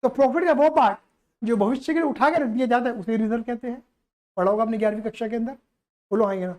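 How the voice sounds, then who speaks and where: A man's voice: very high-pitched, fast, darkish tone. A man teaching accountancy to a live class, playful and teasing as he keeps quizzing the students.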